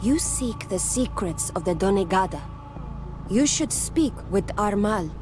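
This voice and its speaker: A woman's voice: mid-range voice, expressive, measured pace, music in the background, close to an everyday voice. An actress playing a solemn young tribal woman in a video game, sincere and formal. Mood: sincere, grateful. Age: young adult. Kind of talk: scripted video game acting.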